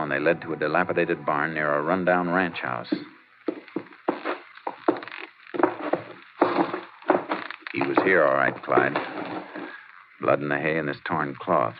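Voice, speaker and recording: An actor in a 1950s radio drama playing a steady, determined Texas Ranger, terse, matter-of-fact and authoritative. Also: male voice, extremely low pitch, a little fast, loud music behind the voice. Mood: watchful. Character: steady, determined Texas Ranger lawman narrating his case. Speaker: lead character and narrator. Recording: muffled, noisy old radio recording with clicks.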